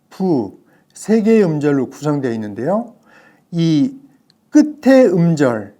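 A male professor giving a recorded pronunciation lecture, speaking deliberately with frequent hesitations and pauses. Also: fairly high pitch, darkish tone. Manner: slow, deliberate, many hesitations.

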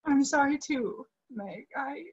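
A woman's voice: high-pitched, slow pace, muffled recording. A young woman acting a frightened, secretive opera singer in an emotional staged reading. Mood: earnest. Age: young adult. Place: room at home. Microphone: computer mic on video call.

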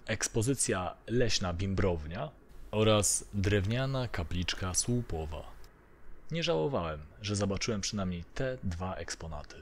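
Low-pitched male horror story narrator. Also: animated, unhurried, a little hiss or hum. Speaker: narrator of audio horror stories. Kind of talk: scripted narration of a first-person horror story.

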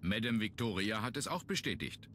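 An actor playing a businesslike police inspector in a video game, inquisitive and matter-of-fact. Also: male voice, fairly low pitch, big pitch swings, moderate pace, a bit bright, slight background noise. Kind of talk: German video game voice acting.

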